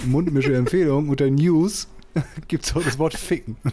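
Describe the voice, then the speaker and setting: A man speaks at a moderate pace in a fairly high pitch, his tone dark and mellow and his intonation fairly even. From southern Germany. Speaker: podcast co-host. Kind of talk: casual chat.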